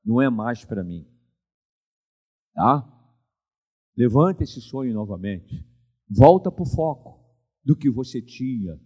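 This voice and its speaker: A man's voice: mid-range voice, slow, long pauses, breathy edge. An older man, preaching a sermon as pastor and often asking the congregation for an amen. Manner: animated preaching with frequent call-and-response questions to the congregation.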